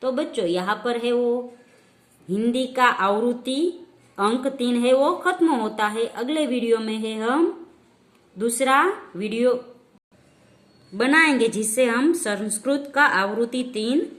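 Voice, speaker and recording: A woman teacher from India walking children slowly through a language lesson, dictating answers step by step. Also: a little high, a bit bright. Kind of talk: slow explanatory lesson for children.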